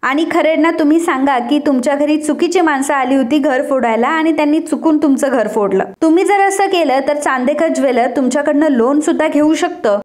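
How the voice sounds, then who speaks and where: A woman's voice: sits high, fairly quick, hardly any pauses, darkish tone, close to an everyday voice. A woman voicing a snappish, scheming matriarch. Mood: commanding.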